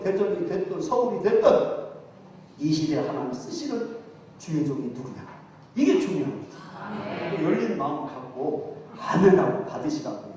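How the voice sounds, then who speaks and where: An older male revival preacher with a Chungcheong Korean accent delivers his sermon in a high, animated voice. He jokes with the congregation as he preaches. The sound is distant, ringing through a big echoing church hall. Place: large church sanctuary. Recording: echoey hall, distant mic.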